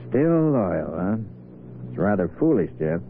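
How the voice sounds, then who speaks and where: An actor playing a shrewd, confident private detective, brisk and probing, in a 1940s radio crime drama. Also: male voice, low-pitched, sing-song, creaky, phone-quality sound, full character voice. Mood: firm, pressing. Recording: noisy, phone-thin vintage radio recording.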